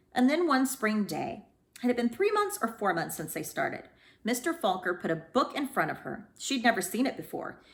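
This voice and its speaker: A woman reads a children's story aloud in a mid-pitched voice. Her intonation is very lively, rising and falling widely, and she shapes each phrase deliberately and dramatically as a storyteller. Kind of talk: expressive scripted storybook narration.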